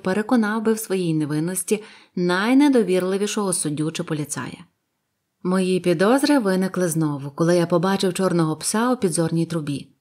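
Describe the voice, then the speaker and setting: A woman reading an adventure novel aloud in an even, measured narration. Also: lowish voice. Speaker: audiobook narrator. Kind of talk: scripted narration.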